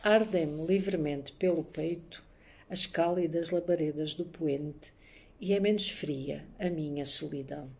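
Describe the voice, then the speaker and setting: The speaker is a middle-aged poet and maths teacher from Angola, where she was born and raised, whose low-pitched voice is slightly rough. She introduces herself and reads her poetry softly and at a measured pace, recorded indoors at home on a phone held at arm's length.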